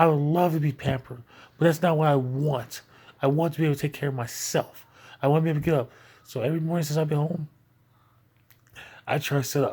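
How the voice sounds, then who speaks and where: A man with a fairly high, somewhat breathy voice and a dark, mellow tone speaks at a very fast pace, yet leaves long, frequent pauses. His intonation is fairly even, and the recording is very clean with a silent background. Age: 40s. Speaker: stroke survivor vlogger. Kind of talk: personal video diary. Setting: at home, in bed.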